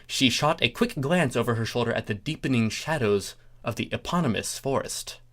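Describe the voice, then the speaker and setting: Very animated storybook-style reader, mid-pitched. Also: moderate pace. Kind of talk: animated comic fan fiction reading.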